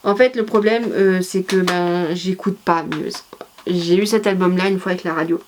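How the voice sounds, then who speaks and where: A woman's voice: lowish voice, fairly even intonation, moderate pace, slight background noise. Chatty rambling woman vlogger. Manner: chatty, rambling, many fillers and self-corrections. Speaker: vlogger presenting her CD collection. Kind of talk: casual chat.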